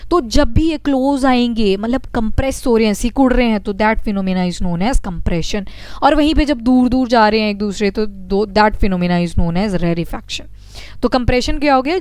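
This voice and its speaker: Smooth-voiced woman teaching physics. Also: a little high, a little mellow, no echo. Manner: explains step by step, asks and answers own questions. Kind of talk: exam-prep science lecture.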